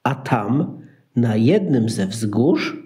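A man's voice: medium pitch, lively intonation, drawn-out words. A man narrating a nativity radio play in a scripted storytelling style.

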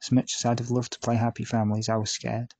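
A man's voice: medium pitch, completely flat delivery, fast talker, darkish tone, slightly rough, dry recording. A man reading his first-person true-crime memoir aloud, telling it steadily with dry, self-aware asides. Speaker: audiobook narrator.

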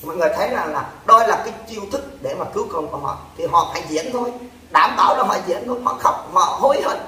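A man telling a gossip story to viewers in an animated, mocking way. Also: high voice, fast, far from the mic. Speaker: gossip commentator. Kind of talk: casual storytelling commentary. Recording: roomy echo, off-mic, faint noise.

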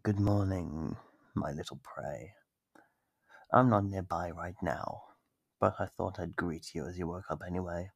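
Man voicing a gravelly, slow, sadistic monster. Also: steady tone, dry recording, studio quality, heavily acted. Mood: mock surprise. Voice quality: low, gravelly, husky, often dropping to a whisper. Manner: slow, taunting, menacingly polite. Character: sadistic playful male monster toying with captive prey. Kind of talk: ASMR roleplay acting. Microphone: close, dry microphone.

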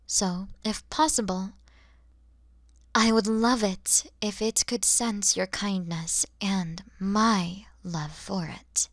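A woman voicing a kind, motherly mature dragon in an ASMR roleplay, speaking softly and breathily with tender, soothing warmth. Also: mid-range voice, steady tone, slow, dry recording, clean studio sound. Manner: soft, breathy, soothing, often near-whispered.

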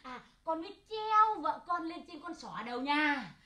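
A woman's voice: very high voice, expressive, moderate pace, pushed and bright, full character voice. A woman playing a bumbling, joking male clown servant in a traditional folk opera comedy, giggling and punning in a sing-song way. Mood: giggly, teasing. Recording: echoey stage recording.

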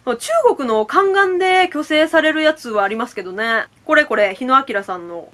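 A woman, chatting casually and excitedly as she reviews a game for her channel, full of quick asides. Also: high-pitched. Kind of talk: casual fan review chat.

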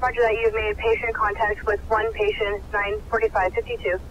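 A man's voice: high voice, flat delivery, fairly quick, fairly bright tone. A man working as a fire dispatcher, heard over a radio, reading back calls and times in clipped dispatch style. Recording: muffled radio with static noise.

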